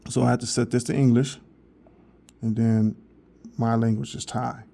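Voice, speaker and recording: A man talks viewers through a new phone's translation feature in a loose, rambling vlog. He circles back and restarts his sentences, then earnestly tells people to go get one. His voice sits at an ordinary middle pitch. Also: flat delivery, normal speed, gravelly, warm tone. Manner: rambling and repetitive, with frequent restarts; earnest, directly urging viewers. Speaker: vlogger reviewing a phone. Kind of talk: casual product demo.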